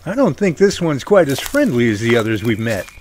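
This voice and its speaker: A man's voice: medium pitch, sing-song, a little fast, darkish tone, a little hiss or hum, lightly acted. An actor playing a middle-aged father and Bigfoot researcher in a radio drama, wry and folksy.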